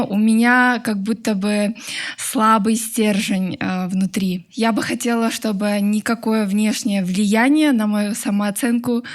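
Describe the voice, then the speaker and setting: Her voice fairly high, a woman speaks with a Kazakh accent. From Kazakhstan, southern region. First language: Kazakh (speaking Russian). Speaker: show participant sharing personal problem. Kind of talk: talk show confession. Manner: halting, many fillers and restarts.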